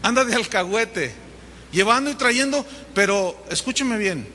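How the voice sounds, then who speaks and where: A man's voice: high-pitched, expressive, a little slow, bright, forceful tone, slight background noise. A man with a Mexican Spanish accent preaching a sermon as pastor, telling the story vividly and acting out the dialogue. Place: church hall. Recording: long reverb of a large hall.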